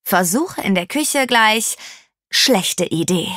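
A woman voicing a young girl inventor, eager and excitable, with high bursting exclamations in a children's audiobook. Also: takes it slowly, no room sound, studio quality. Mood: thoughtful.

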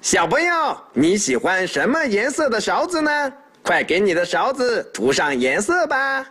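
A man voicing a big friendly furry monster, jolly and drawn-out, encouraging small children on a television show. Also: sits high, big pitch swings, bright, forceful tone, heavily acted.

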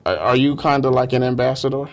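A man's voice: mid-range voice, fast talker, slight background noise. A man hosting a casual, conversational interview as the interviewer. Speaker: interviewer, host. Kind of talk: casual radio-style interview.

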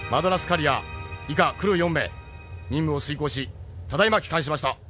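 An actor playing a gruff, easygoing male spaceship captain with a brusque, casual way of talking. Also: fairly high pitch, a little fast, natural voice. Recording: music bed under the voice.

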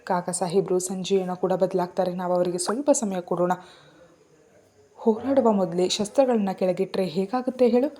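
A woman voicing a spirited, outspoken young woman in a storybook reading, talking high and exclamatory. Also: fairly even intonation, normal speed, mellow, lightly acted. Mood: encouraging.

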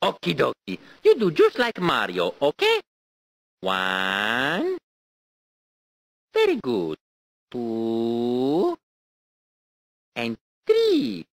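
Cheerful Italian plumber, exaggerated accent, wildly swooping pitch, very dry sound. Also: female voice, wildly swooping pitch, extremely slow, pauses often, no room sound, full character voice. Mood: playful. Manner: exclamatory, playful, cartoonish. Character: cheerful Italian plumber hero, adult male, bouncy. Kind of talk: video game character voice.

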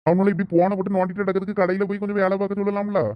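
A man's voice: sits high, monotone, rapid-fire, smooth, dull audio. A man with a Thoothukudi Tamil accent, bossy and scolding in a village comedy skit. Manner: bossy, scolding husband talk.

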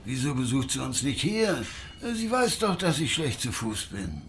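Grumbling elderly husband , acted by a man: animated pitch, audio drama, background noise. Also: unhurried. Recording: clear background ambience noise.

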